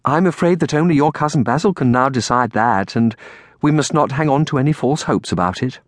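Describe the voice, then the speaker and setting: A man voicing a tender, sorrowful grown woman, a devoted aunt in a storybook, with a gentle, hesitant manner. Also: mid-range voice, a little fast, no echo, studio quality, pitched above the performer's own voice, close to an everyday voice. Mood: gently reassuring.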